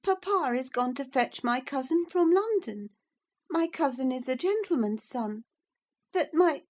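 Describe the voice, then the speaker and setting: A woman's voice: sing-song, unhurried, warm tone. A woman reading an audiobook and voicing a spoiled, imperious young girl who is demanding and easily brought to tears. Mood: distressed. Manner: shrill, demanding, indignant.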